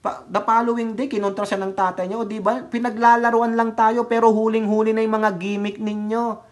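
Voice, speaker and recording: A man's voice: high voice, little pitch movement, fairly quick. A man with a Filipino accent, a political vlogger giving a heated, mocking rant full of rhetorical asides and insults. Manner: mixes English into speech, rhetorical asides. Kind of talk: ranting political commentary.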